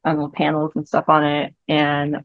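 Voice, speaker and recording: A woman in her twenties, a guest describing herself casually in a relaxed, hesitant way. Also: low voice, normal speed, no room sound. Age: 20s. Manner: relaxed, hesitant, many fillers. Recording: slightly muffled lo-fi audio.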